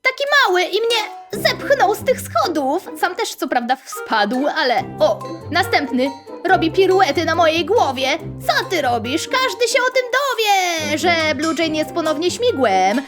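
A woman's voice: extremely high pitch, sing-song, measured pace. A young woman hosting a playful gaming let's-play, bubbly and sing-song, rhyming and squealing at mishaps, with game music underneath. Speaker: gaming channel host.

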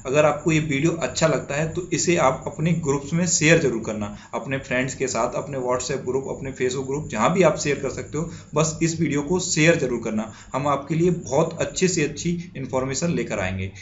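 A man's voice: medium pitch, fairly quick, few pauses, lo-fi sound, slight background noise. A man from India teaching current affairs for exams, reading out quiz questions and repeating each answer as he asks and answers himself. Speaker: current affairs exam tutor. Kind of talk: spoken quiz lesson.

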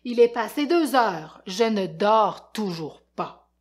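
Québécoise qui joue un voisin grincheux et furieux, aboie ses ordres, conte pour enfants. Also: female voice, medium pitch, animated, slow pace. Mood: grumbling. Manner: shouting orders, indignant. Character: grumpy sleepless man, angry neighbor.

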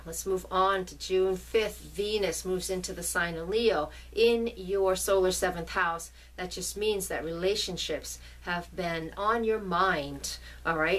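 Middle-aged woman, New England accent, low voice, chatty astrologer, mic set a little back. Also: a bit bright. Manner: chatty, checks in with listeners. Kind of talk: casual forecast video. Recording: voice a bit distant from mic.

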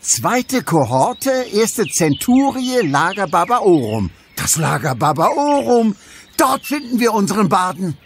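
An actor playing a small, shrewd, impatient Gaul hero in a cartoon audio play, brisk and decisive. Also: male voice, sits high, big pitch swings, slight background noise, exaggerated voice. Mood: resolute.

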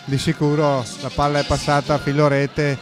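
A man's voice: a little high, little pitch movement, moderate pace, over music. A man co-commentating a live volleyball match, explaining plays in an analytical, explanatory way.

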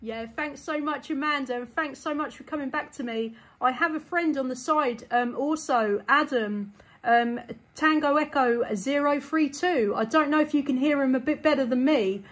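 A woman's voice: high voice, normal speed, fairly bright tone. A woman chatting casually and effusively as a radio operator making contacts. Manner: effusive, enthusiastic. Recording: faint radio hiss and noise.

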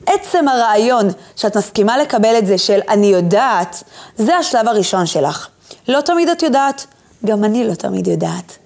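A woman giving a motivational lecture on self-image. She speaks directly to the viewer and leads her through breathing exercises with gentle instructions. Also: on the high side.

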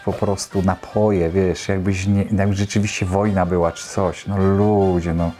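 A man's voice: low-pitched, flat delivery, normal speed, dark tone, faint music behind. A man in his fifties giving casual, exclamatory, colloquial commentary as a host reacting to clips. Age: 50s. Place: small indoor home studio.

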